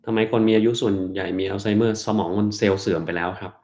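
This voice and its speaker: Blunt, lowish-voiced man doctor. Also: fairly even intonation, quick pace, darkish tone. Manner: blunt, reads out questions and answers them directly. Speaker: doctor answering viewer questions. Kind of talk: live Q&A stream.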